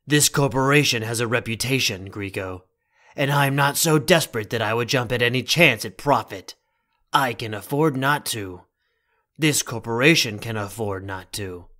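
A man playing a stern, protective young CEO in an audio drama, speaking formally and deliberately with a commanding manner. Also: mid-range voice, fairly bright tone, close to an everyday voice. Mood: firm, dismissive.

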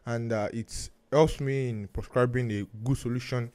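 A man with a Nigerian accent hosts a podcast over a video call. His voice sits at a middle pitch. He talks haltingly, restarting his sentences and leaning on fillers. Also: steady tone, a little mellow. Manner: halting, many restarts and fillers, repeats "actually" and "honestly". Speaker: podcast host. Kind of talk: podcast interview.

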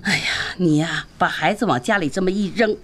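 A woman's voice: fairly low pitch, brisk, fairly bright tone. An actress in her fifties playing a bossy mother who nags and scolds her grown daughter in a TV drama. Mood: scolding. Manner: scolding, nagging, insistent. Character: bossy, scolding middle-aged mother, quick-tempered. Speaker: mother and grandmother. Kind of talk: TV drama acting.

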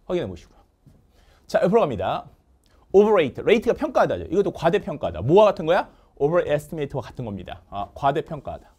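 A man teaching English vocabulary in a lively lecture, drilling words call-and-response and joking with his producer. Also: on the high side, a little fast, breathy edge. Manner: call-and-response drilling, asks "됐습니까?" often; jokes with the producer off camera.

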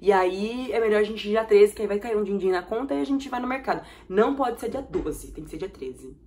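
A young woman with a Brazilian Portuguese accent, chatting expressively while reacting to viewer comments in a vlog, with sudden excited bursts. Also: medium pitch, brisk, slight background noise. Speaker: vlogger.

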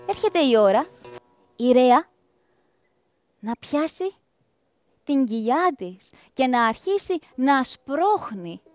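A woman's voice: high-pitched, big pitch swings, long pauses, a little mellow, dry recording. A woman performing a myth as a live storyteller, dramatic and speaking straight to her audience. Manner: dramatic, addresses the audience directly. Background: live plucked string music.

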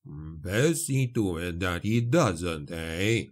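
Cryptic dwarf priest acted by a male narrator, solemn, low, drawn-out delivery, portentous, fantasy audiobook. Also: expressive, heavily acted. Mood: grave, urgent. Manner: measured, portentous pronouncements.

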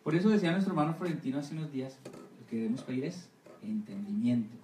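A missionary pastor giving a Sunday school sermon, often asking the congregation for agreement with amen and right. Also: male voice, mid-range voice, fast talker, dark tone, distant mic, a little hiss or hum. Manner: asks the congregation for assent, repeating amen and right. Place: church hall. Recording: echoey room, voice from off-mic.

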